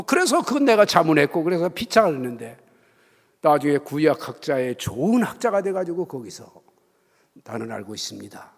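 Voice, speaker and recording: Older pastor preaching in a reverberant church. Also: male voice, a little high, husky. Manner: storytelling, acts out quoted voices, rises to shouts. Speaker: pastor emeritus. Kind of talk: sermon. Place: church sanctuary.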